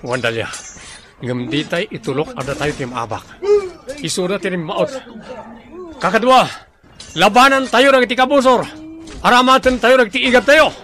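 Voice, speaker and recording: A man's voice: high-pitched, normal speed, pauses often, bright, forceful tone. A man playing a brave, earnest young tribal warrior in a radio drama, speaking with an Ilocano Filipino accent. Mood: battle resolve.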